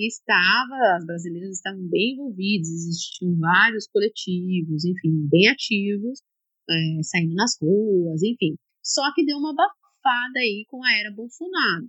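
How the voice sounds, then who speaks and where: A woman with an unremarkable speaking voice speaks at a fairly slow pace and medium pitch, her intonation lively. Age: 30s. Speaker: writer and researcher on feminism and Christianity. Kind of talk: interview.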